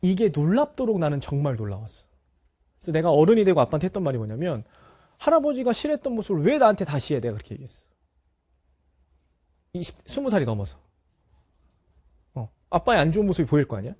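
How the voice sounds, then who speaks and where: A male Korean language teacher with a husky, lively-pitched voice talks to his students quickly, pausing often. He is candid, telling personal stories and speaking to the students directly.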